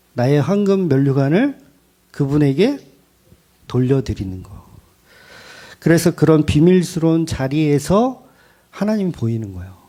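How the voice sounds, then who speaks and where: Man preaching a sermon, blunt and casual wording, mellow warm tone, lots of swing in pitch. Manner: blunt, colloquial, animated preaching. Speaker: pastor.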